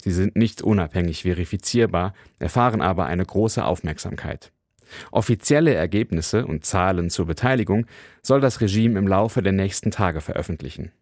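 A man reading a scripted radio news report in an even, formal manner, also voicing translations of interviewees. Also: low-pitched, normal speed, no room sound, clean studio sound. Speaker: radio correspondent.

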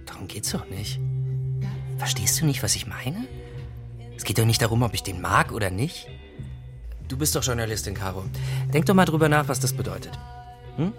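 A man's voice: medium pitch, lively intonation, moderate pace, pauses often, music in the background, natural voice. A man plays a young journalist who has just been fired, pressing his point with mounting indignation. His voice sits in a middle register. He sounds like an everyday man in a radio play. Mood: indignant. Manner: insistent, rising to indignation. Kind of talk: radio drama acting.

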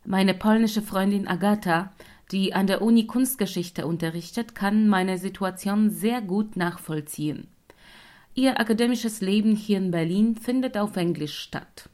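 A woman's voice: medium pitch, measured pace, a little mellow. Dry-voiced woman narrating. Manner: dry, matter-of-fact. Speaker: narrator and German teacher. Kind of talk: scripted radio narration.

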